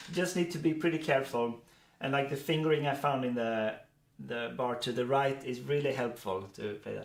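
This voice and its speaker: A man's medium-pitched voice with a non-native accent, ordinary pitch variation and a fairly quick pace. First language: not English. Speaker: pianist and music educator. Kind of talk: live-streamed music tutorial. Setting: livestream at the piano. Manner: halting, many fillers.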